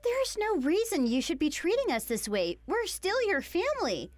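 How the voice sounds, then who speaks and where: A woman voicing a patient, hurt young wife who pleads with her mother-in-law in an animated story. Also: very high voice, moderate pace, no echo. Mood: pleading. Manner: earnest, pleading. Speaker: daughter-in-law.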